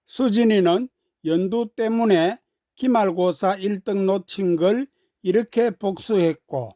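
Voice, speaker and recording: A woman's voice: mid-range voice, mellow, dry recording, studio quality. A woman storyteller narrating a children's story from a script.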